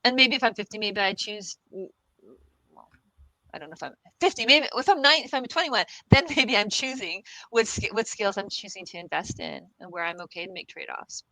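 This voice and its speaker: Woman podcast guest, bright and dry close-mic sound, reassuring, laughs a lot, repeats phrases. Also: mid-range voice, lively intonation, a little fast, no room sound, poor audio. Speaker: guest expert on the future of work. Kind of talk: casual podcast interview.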